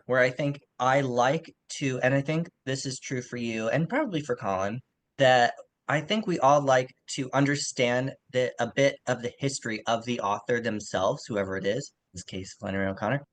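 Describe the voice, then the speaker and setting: Guy guesting on a book podcast, medium pitch, thinks out loud, explains both sides carefully. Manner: thoughtful, explanatory, hedging. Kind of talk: conversational literary discussion.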